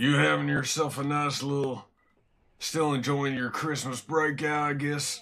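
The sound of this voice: A man uses a put-on character voice with fairly high pitch. He speaks at a fairly slow pace in monotone, flat intonation.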